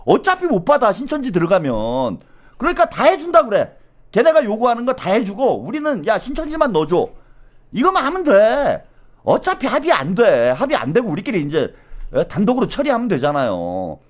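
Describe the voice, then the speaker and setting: A man hosting solo political commentary, animated and blunt, with slangy speech and constant "어?" tag questions. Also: high-pitched, moderate pace.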